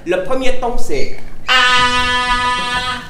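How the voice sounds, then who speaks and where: A woman's voice: high voice, moderate pace, recorded from a distance, music in the background, close to an everyday voice. Woman putting on a sing-song teacher. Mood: teasing. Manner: sing-song, exaggerated tones, chuckling asides. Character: cheerful female Chinese language teacher, cheeky and teasing. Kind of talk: stand-up character sketch. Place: comedy club stage. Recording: roomy live stage mic from afar. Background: loud audience laughter.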